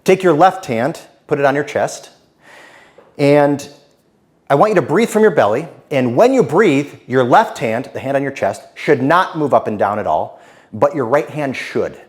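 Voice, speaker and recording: A male speaking coach gives an instructional talk to camera in a blunt, direct way. His pitch moves a lot from phrase to phrase. He lets it settle downward at the ends of sentences. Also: sing-song, normal speed.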